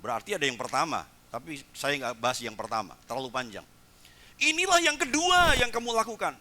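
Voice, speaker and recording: Bright, lively male preacher. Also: a little high, fairly quick, slight background noise. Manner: animated preaching, mixing in English words; urges the congregation to repeat phrases. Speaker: pastor. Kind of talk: sermon. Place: church service.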